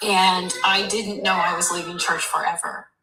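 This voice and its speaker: A woman's medium-pitched voice with an American accent, at a moderate pace, over background music. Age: 60s. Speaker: reverend. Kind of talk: interview. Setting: livestream.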